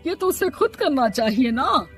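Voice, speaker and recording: A nagging middle-aged mother-in-law, played by a woman in an animated story. Her voice sits fairly high. She scolds with proud exasperation. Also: normal speed, faint music behind. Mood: indignant.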